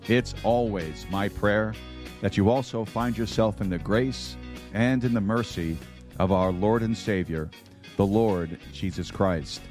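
A man hosting a sermon podcast, hoarse and raspy from losing his voice, talking to listeners in a folksy way with many fillers. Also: fairly low pitch, darkish tone. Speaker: podcast host and Bible teacher. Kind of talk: casual sermon-podcast talk.

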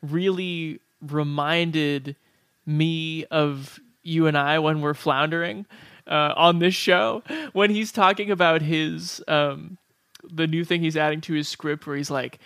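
Higher-voiced man analysing films, dry sound. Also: steady tone, slow pace, fairly bright tone, smooth, no echo. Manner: discursive, thinking aloud. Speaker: podcast co-host discussing films. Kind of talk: casual analytical film discussion.

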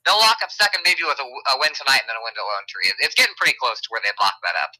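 A hoarse man co-hosting a local sports talk show, talking at length with lots of fillers. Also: medium pitch, very animated, racing, sharp tone, rough recording. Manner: chatty, hedging with fillers. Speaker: sports radio co-host.

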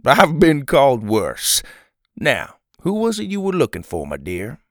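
A bearded storybook wizard speaks slowly, stretching his words, and his pitch leaps about with wonder, as a man reads him out. He turns giddy and eager at the smallest surprise. The sound is dry and close. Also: huge pitch swings, a bit bright, no room sound. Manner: slow, drawn-out, giddy.

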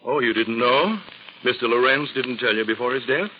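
An actor playing a polite, formal lawyer in a 1940s radio drama. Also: male voice, mid-range voice, moderate pace, close to an everyday voice. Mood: matter-of-fact. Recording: dull, noisy old radio recording.

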